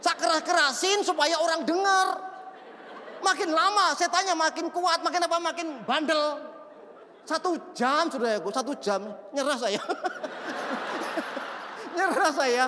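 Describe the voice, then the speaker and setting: A male pastor preaching an animated sermon full of stories, acting out shouted prayers and laughing at himself. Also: extremely high pitch, normal speed, some chatter behind, slight background noise. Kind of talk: sermon with storytelling. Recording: long reverb of a large hall.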